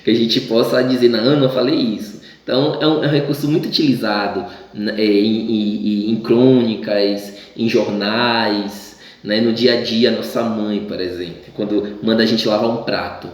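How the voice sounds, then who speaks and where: A man's voice: on the low side, steady tone, normal speed, hardly any pauses. A male teacher from Bahia, Brazil, giving a casual class lesson, stumbling and restarting often and acting out the voices he quotes. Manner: chatty, acts out quoted voices, many restarts. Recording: very echoey room.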